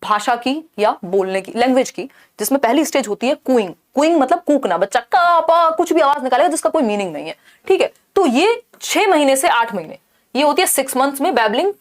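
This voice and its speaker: A woman teaching an exam-prep class, her voice sitting a little high. She walks through each point step by step and slips English terms into her explanation. She keeps asking rhetorical questions and checking that the class is following along. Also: lively intonation, fairly quick. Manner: asks rhetorical questions and checks in with "thik hai".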